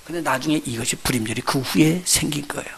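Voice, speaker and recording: A male pastor preaching a sermon, telling the story with lively, acted-out voices and putting questions straight to his congregation. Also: fairly high pitch, quick pace, vocal fry, slightly rough. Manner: lively storytelling, acts out the characters he retells; addresses the congregation directly with questions.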